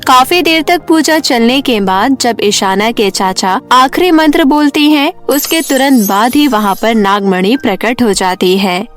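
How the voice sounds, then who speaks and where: A woman's voice: fairly high pitch, expressive, unhurried, hardly any pauses, soft background music. A woman narrating a scripted cartoon story as a storyteller.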